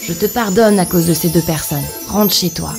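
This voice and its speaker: A woman voicing a calm, stern but forgiving magic fish in a children's fairy tale cartoon, measured and admonishing. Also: fairly low pitch, over music, natural voice.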